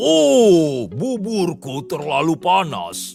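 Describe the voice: Over clear background music, a put-on character voice at a middle pitch speaks at a very slow pace.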